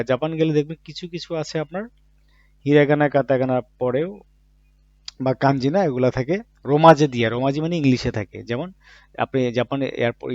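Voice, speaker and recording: Here a man with a medium-pitched, creaky and slightly mellow voice teaches Japanese vocabulary in Bangla, with no room sound. He states every word, then clarifies it with everyday examples, often raising a question only to answer it. The audio is dull and muffled, recorded in a dry room.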